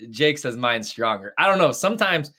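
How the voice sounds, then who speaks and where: Rambling Chicago-accented man with a lively voice. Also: mid-range voice, moderate pace. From Chicago area. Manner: hesitant, laughing, rambling. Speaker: sports betting podcast co-host. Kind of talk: casual sports talk.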